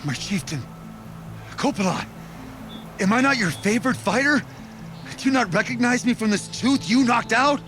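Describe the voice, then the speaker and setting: A brash, very animated tribal warrior. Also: male voice, very high-pitched, normal speed, long pauses. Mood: boastful, pleading. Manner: theatrical, rueful, boastful. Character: brash, battered male tribal warrior, proud and jokey. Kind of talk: dramatic video game acting. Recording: loud music under the voice.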